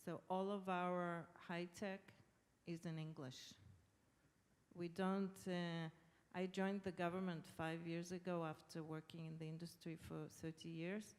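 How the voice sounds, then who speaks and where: A woman's voice: fairly low pitch, little pitch movement, a little slow, a little mellow. A middle-aged woman from Israel, a native Hebrew speaker with an Israeli accent, explaining her points as a panelist. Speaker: panelist, government official. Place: large conference hall. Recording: long hall reverb.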